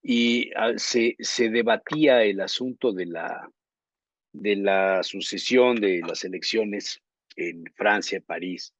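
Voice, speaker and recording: Husky-voiced Mexican male co-host with a lowish voice, rambling story-teller, dry muffled sound. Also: takes it slowly, dry recording. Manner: rambling anecdotes, searching for words, laughing. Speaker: journalist co-host. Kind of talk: casual talk show chat.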